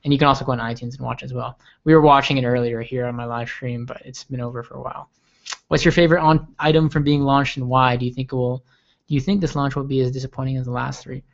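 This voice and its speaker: A man's voice: mid-range voice, flat delivery, quick pace, gravelly. A young man hosting a live tech stream, answering viewer questions in an eager, rambling way and often repeating words. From Okinawa, Japan. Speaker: livestream host. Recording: lo-fi livestream audio.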